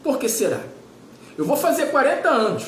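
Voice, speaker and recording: A man's voice: very high voice, big pitch swings, normal speed, roomy sound, a little hiss or hum. Emphatic preaching man in his forties. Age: 40s. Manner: emphatic, repetitive preaching with rhetorical questions. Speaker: pastor. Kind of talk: sermon.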